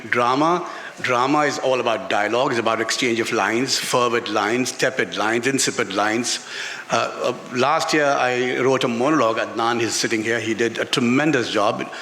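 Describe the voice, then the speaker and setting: A man's voice: medium pitch, sharp tone. A man with a Pakistani accent answering at a live book talk as an author, often stopping and repeating words and phrases for emphasis. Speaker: author and journalist being interviewed. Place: literary festival stage in a garden venue.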